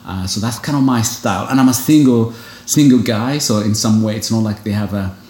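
This man's voice is fairly low, brisk and a little mellow, with a roomy sound. A single foster father from Uganda, he's an interview guest in a casual conversation, speaking earnestly and thoughtfully with frequent "you know" fillers.

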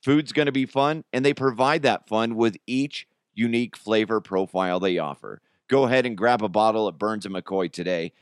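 A man's voice: lowish voice, normal speed, hardly any pauses, clear, resonant tone, no echo, clean studio sound. A man with an American accent hosting a podcast, talking in an informal, slangy, conversational way. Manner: chuckles through his own remarks. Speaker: podcast host. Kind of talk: casual solo comedy podcast chat.

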